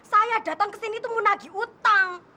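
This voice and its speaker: A woman's voice: extremely high pitch, fairly even intonation, moderate pace, pushed and bright, a little hiss or hum, heavily acted. An actress playing an insistent young woman who scolds a man for his unpaid debt, in a TV sitcom. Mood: scolding. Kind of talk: sitcom acting.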